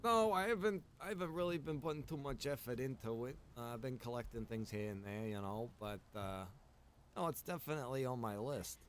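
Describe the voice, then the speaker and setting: A man's voice: medium pitch, brisk, a little hiss or hum. A man improvising casual in-character chat in an online roleplay game, with a hesitant, easygoing manner. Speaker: roleplay game streamer playing a survivor.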